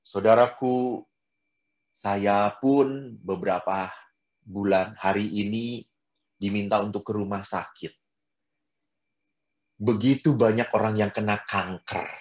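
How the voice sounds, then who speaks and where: A man, a Catholic priest, giving a sermon in an animated way, repeating words for emphasis and swinging from loud to soft. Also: slow, pauses often, lo-fi sound. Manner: animated, with sharp swings in pitch and loudness.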